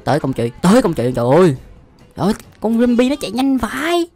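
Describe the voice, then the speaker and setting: A man's voice: high-pitched, huge pitch swings, quick pace, a little mellow, soft background music. Southern Vietnamese man doing exclamatory reaction commentary. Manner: slangy, frequent exclamations and laughter. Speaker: reaction video host. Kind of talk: casual, exclamatory reaction commentary over animation.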